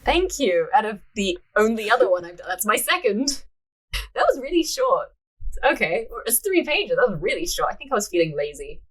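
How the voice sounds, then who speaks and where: A woman's voice: mid-range voice, sing-song, normal speed, rough recording. A woman hosting a story podcast, moving between narration and casual banter. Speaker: podcast host, writer and narrator.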